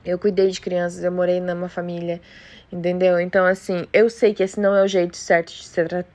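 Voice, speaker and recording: A young woman with a Brazilian Portuguese accent tells a personal story straight to camera. Her voice sits a little low, and she keeps checking in with the listener. The delivery is emotional and animated, like a vlogger confiding in her audience. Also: a little fast. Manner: emotional, animated, with frequent "you know?" asides. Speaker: vlogger, former au pair.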